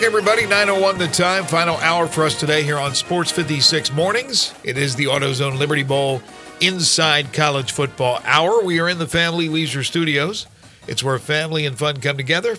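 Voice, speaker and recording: A man's voice: on the high side, sharp tone. A man hosting a sports radio morning show, chatty and upbeat, sounding a little stuffy from a cold. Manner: upbeat and chatty, reads ads and weather. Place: radio studio.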